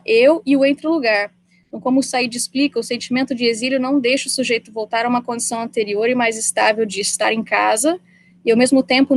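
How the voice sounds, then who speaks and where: Young woman giving a lit talk on a video call, steady and measured, kinda high voice. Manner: measured, reads quotations aloud. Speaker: presenter. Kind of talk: academic presentation.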